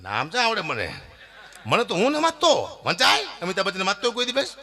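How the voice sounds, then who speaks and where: A middle-aged man, performing a stage comedy monologue full of laughter and loud outbursts. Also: sits high, fairly quick. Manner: lively storytelling with laughter, loud bursts for quoted voices. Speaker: folk comedian performing at a dayro.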